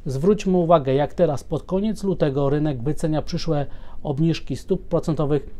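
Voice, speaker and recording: A man talks viewers through the markets in a steady, explanatory commentary. His voice sits a little high for a man but sounds mellow and dark. He hesitates now and then with filler sounds and restarts his phrases. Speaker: market analyst presenting a commentary.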